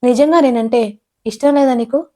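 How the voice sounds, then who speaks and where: A woman voicing a young wife who is touchy and quick to pout, with a sulky, teasing way of talking. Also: fairly high pitch, dark tone, lightly acted. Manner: sulky, teasing back and forth.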